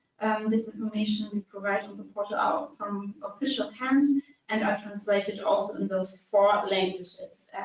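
At a moderate pace, a woman talks amid audible room echo and light background noise. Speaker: webinar moderator. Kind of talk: webinar interview. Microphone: video call.

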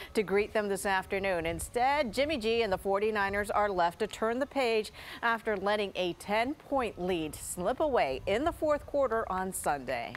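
A woman speaks at a moderate pace with a fairly high pitch. There is music in the background. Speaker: sports reporter. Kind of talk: sports news report.

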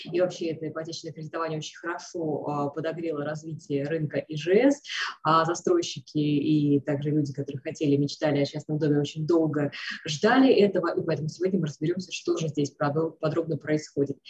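The woman's voice is very deep and low. She moves at a fairly quick pace with fairly even intonation. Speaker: webinar host. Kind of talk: live webinar hosting. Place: home room. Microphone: webcam.

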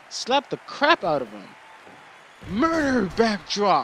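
Over crowd noise in the background, a man talks at an extremely high pitch with very wide pitch swings. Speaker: video game wrestling commentator. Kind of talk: live commentary. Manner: animated; loud.

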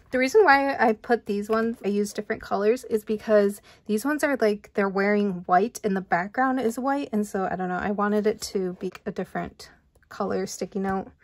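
A woman talks at a fairly quick pace. Her pitch is fairly high, with ordinary variation. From US Midwest (Michigan). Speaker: K-pop collector YouTuber. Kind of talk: casual tutorial vlog. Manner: animated, chatty.

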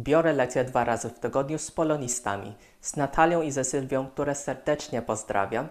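A man talks at a fairly quick pace with hardly any pauses. His medium-pitched voice shows ordinary pitch variation against a quiet background. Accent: non-native. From Philippines. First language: non-native Polish speaker (speaking Polish). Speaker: YouTuber. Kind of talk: vlog monologue. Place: home room. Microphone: studio mic.

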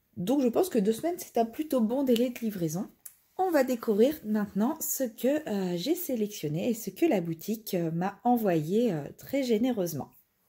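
A woman's somewhat breathy, dark and mellow voice with very wide pitch swings. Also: moderate pace. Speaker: crafts hobby vlogger. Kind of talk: casual unboxing chat. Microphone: phone near.

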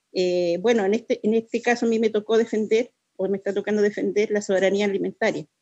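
A woman speaks very fast at a medium pitch, her tone dark and mellow. Her intonation is flat and monotone, her loudness very even, and the background quiet. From Nueva Imperial, southern Chile; southern Chile. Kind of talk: formal presentation to a commission. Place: home room. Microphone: video call.

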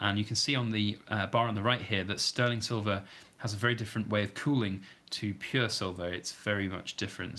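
With a bright, sharp tone and a fairly low pitch, a man speaks at a moderate pace using fairly even intonation. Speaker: YouTube channel host. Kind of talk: livestream giveaway chat.

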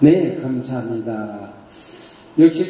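Audible room echo surrounds a man talking at a very slow pace with ordinary pitch variation. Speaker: radio host and MC. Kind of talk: casual interview. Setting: studio with live singers. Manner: animated, cheerful. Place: studio.

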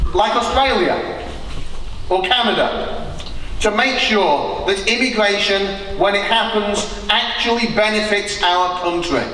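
With light background noise and audible room echo, a man speaks in a raised, projected voice at a fairly slow pace with ordinary pitch variation. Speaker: candidate. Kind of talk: political speech. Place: hall. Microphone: podium.

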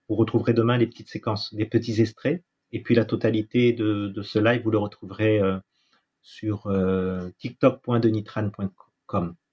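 A man with a fairly low pitch talks in a somewhat breathy voice with fairly even intonation. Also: fairly slow pace. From Gabon. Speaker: spiritual healer; spiritual teacher. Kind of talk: livestream talk with viewers; guided meditation. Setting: TikTok live stream. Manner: halting. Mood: calm, warm. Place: home room. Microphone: phone near.

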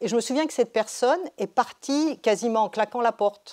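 A woman speaks with a dark, mellow tone. Her pace is moderate, and the background is quiet. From Alsace, France. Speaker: author and feng shui practitioner; guest. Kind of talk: public talk with Q&A. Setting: stage with audience. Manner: halting, many repetitions. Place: hall. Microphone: lapel.

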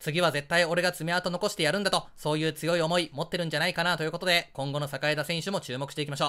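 A man's voice has a bright, sharp tone. He speaks very fast. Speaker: sports YouTuber covering a baseball team. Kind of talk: solo video commentary on baseball.

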